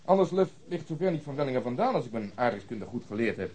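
An actor plays a gruff male detective in a radio play. His voice sits at a middle pitch. He is blunt, coarse and mocking, and likes to give orders. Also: very animated, fast talker, darkish tone, close to an everyday voice. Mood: sarcastic. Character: gruff, bossy, sarcastic male police detective.

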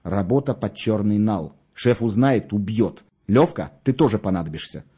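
A man voicing a young office schemer who rattles off plans in a hurried voice. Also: lowish voice, animated, dark tone, slightly rough, lo-fi sound. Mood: scheming. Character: pushy, fast-talking young male office schemer.

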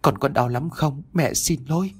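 A distraught young mother in a spoken ghost story, as a male narrator puts her on, her voice pushed up high and strained. She cries out in shrill, sobbing bursts that rise and fall wildly. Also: very animated, fast, breathy edge. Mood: tender grief. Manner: shrieking, sobbing delivery. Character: young mother, frantic and grief-stricken.

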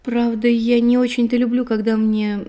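An actress plays a penniless, well-bred young woman in a radio play. Her voice is fairly high and youthful, plucky and theatrical. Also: little pitch movement, normal speed, warm tone, natural voice. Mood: polite, cautious. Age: young adult. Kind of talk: theatrical audio drama acting.

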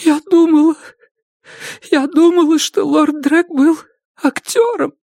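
A man's voice: very high-pitched, steady tone, slow pace, vocal fry, darkish tone, no room sound, studio quality, pitched above the performer's own voice, full character voice. A man voicing a frightened young woman in an audiobook, pleading in a choked, sobbing voice. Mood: tearful. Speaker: audiobook narrator voicing a character.

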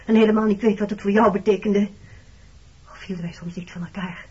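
Dull lo-fi recording, actress as hurt married woman, slightly husky, measured, accusing, intimate radio drama. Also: medium pitch, steady tone, mellow, close to an everyday voice. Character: hurt, reproachful married woman meeting her former lover. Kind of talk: Dutch radio play acting.

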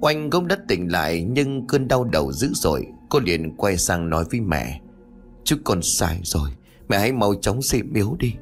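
A man narrating a ghost story in a dramatic storytelling manner. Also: sits low. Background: faint music.

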